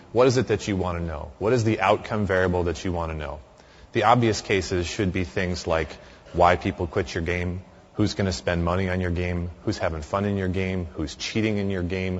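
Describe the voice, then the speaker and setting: A man with a very low, deep voice gives a conversational conference talk in a large hall. He speaks into a microphone and often stops and starts himself. The recording sounds muffled and lo-fi. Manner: conversational with frequent fillers and restarts.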